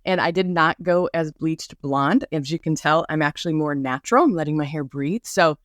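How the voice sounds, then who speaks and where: A woman's voice: deep voice, normal speed, dry recording, studio quality. A woman hosting a podcast in a bubbly, chatty monologue full of asides, with a mild speech impediment on some R sounds. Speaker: podcast host. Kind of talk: casual rambling monologue.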